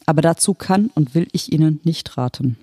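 A reader voicing an unfeeling hologram official who speaks in a calm, matter-of-fact, bureaucratic manner. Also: mid-range voice, fairly quick, husky, no room sound, studio quality. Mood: detached. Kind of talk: audiobook character voice.

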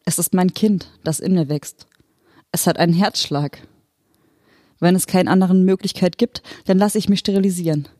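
Reader doing a pregnant mother, pleading, shaky, higher pitched, mellow tone, dry sound. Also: moderate pace, dry recording, close to an everyday voice. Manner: pleading, pressed, voice shaking. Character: desperate pregnant mother pleading for her children. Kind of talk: audiobook character voice.

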